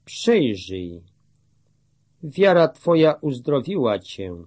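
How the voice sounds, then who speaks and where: A man reading the words of Jesus as a calm, authoritative teacher, in a measured, solemn way. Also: medium pitch, no room sound.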